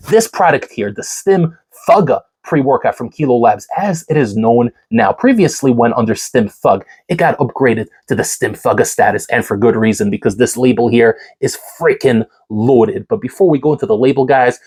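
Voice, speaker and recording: A man reviewing a pre-workout supplement in an energetic, hyped delivery, still congested from a cold. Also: mid-range voice, breathy edge. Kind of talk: product review vlog.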